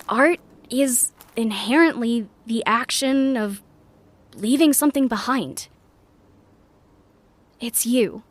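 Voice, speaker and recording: Musing, high-voiced scavenger in sci-fi drama. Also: female voice, no echo. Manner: musing, conversational, spoken as a recorded message. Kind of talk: sci-fi audio drama monologue.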